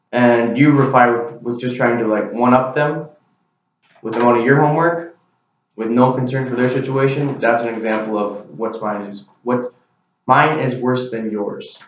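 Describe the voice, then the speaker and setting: A young man giving a class speech to a camera, with an earnest, plain delivery. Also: medium pitch. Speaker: student. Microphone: camera mic. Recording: very echoey, distant, dull camera recording.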